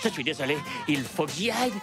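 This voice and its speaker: A woman's voice: low-pitched, animated, quick pace, shouting, loud music behind the voice. A woman voicing an earnest, bossy little team captain in a cartoon, pompous and emphatic. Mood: exasperated. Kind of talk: animated cartoon dub acting.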